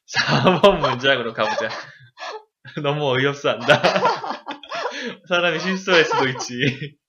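A man's voice: fairly high pitch, huge pitch swings, slow pace, bright, forceful tone, lo-fi sound. A man coaching English in a casual, teasing chat, laughing often as he explains phrases. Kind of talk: casual language lesson chat.

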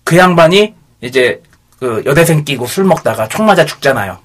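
High, lively, irreverent male explainer. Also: normal speed. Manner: irreverent, teasing. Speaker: talk show panelist. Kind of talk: casual explanatory political chat.

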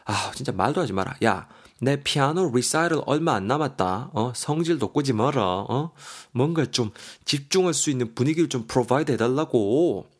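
Man doing a bickering wife, scolding, lively ups and downs. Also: medium pitch, takes it slowly, few pauses. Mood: nagging. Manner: scolding, nagging. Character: bickering young wife, sharp-tongued.

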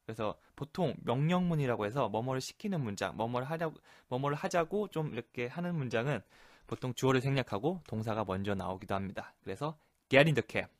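A man teaching English expressions in a relaxed explanatory lesson, repeating phrases slowly for practice. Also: medium pitch, no echo, studio quality. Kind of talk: Korean-language English lesson explaining sitcom lines.

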